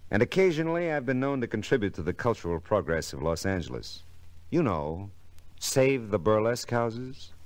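Here a man with a lowish voice and big swings in pitch plays the hard-boiled private eye of an old radio mystery, speaking at normal speed. Wry and world-weary, he narrates tersely and needles people with wisecracks. Music plays beneath this old radio recording.

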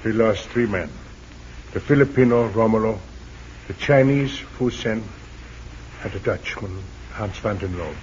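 A man's voice: fairly low pitch, measured pace, long pauses, darkish tone, lightly acted. An actor playing an earnest male ally in the jungle who speaks formally and stiffly, without contractions, in 1940s radio style. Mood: grave. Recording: dull, hissy old radio recording.

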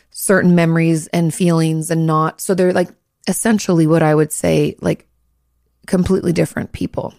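A woman hosting a podcast, a little hoarse, chatting casually and hedging with frequent likes and restarts. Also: on the low side, a little mellow, no room sound, studio quality. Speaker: podcast host, therapist.

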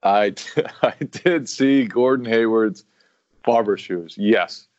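A man's voice: on the low side, slow, a little mellow, dry recording. A man co-hosting a casual sports podcast, easygoing and self-mocking, often stumbling over his words. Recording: dry, slightly dull lo-fi audio.

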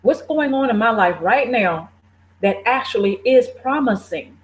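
A woman's voice: on the high side, animated, measured pace, rough recording. A woman speaking to listeners in a conversational motivational talk, encouraging and repeating phrases, often laughing.

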